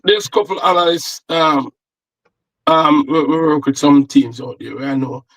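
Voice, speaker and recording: A man's voice: fairly high pitch, unhurried, fairly bright tone, poor audio. A Jamaican man, a football analyst, chatting casually and rambling with repeated words. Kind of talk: casual chat.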